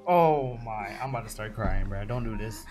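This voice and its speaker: A woman's voice: rumbling low, lively intonation, moderate pace. A woman giving casual, slangy, exclamatory reaction commentary on a video game. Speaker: reaction streamer. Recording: game music behind the voice.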